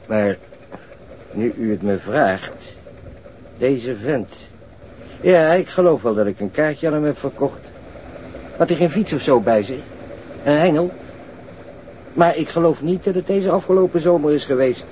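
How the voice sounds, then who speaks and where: An actor playing an indifferent, grumbling ship's ticket collector in a Dutch radio drama, offhand and rambling. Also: male voice, fairly high pitch, animated, unhurried, pauses often, warm tone. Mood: unsure, musing. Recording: noisy outdoor ambience with birds.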